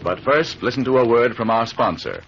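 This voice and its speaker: A man narrating a vintage radio mystery in a dramatic, measured scripted style. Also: medium pitch, expressive, noisy background. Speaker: announcer and narrator. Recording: muffled old radio recording, faint music.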